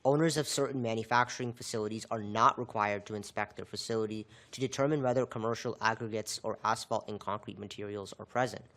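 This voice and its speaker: Low-voiced man reading a bill summary. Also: steady tone, a bit bright. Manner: measured, formal. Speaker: committee intern.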